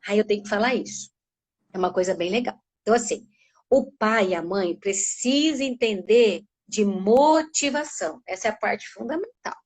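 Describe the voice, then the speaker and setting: A middle-aged woman from Brazil, a speech therapist giving an animated talk in a live webinar and acting out sounds with her voice. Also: medium pitch, normal speed.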